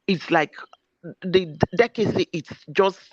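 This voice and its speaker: A man's voice: high voice, takes it slowly, no echo. A man from Nigeria, now in the United States, talking in a group discussion over a call. He speaks earnestly and gropes for words with lots of "I mean". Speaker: discussion participant. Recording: dry, muffled call audio.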